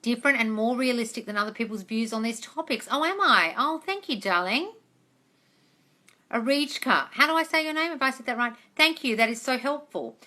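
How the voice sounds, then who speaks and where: A woman's voice: fairly high pitch, animated, brisk, sharp tone. A woman in her forties hosting a casual live question-and-answer chat, talking informally and addressing her listeners with endearments. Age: 40s. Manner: chatty, informal, calls listeners darling and guys. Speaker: manifestation coach hosting a live Q&A. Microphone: phone, close up.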